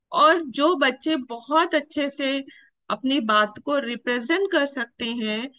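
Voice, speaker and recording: A woman's voice: sits high, pushed and bright. Earnest woman giving a formal training talk. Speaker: education official addressing teachers.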